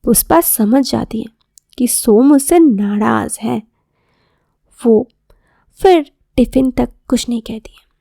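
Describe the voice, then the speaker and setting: A woman's voice: sits high, gravelly, warm tone, no room sound, studio quality. A woman narrating a scripted romantic story as a podcast storyteller.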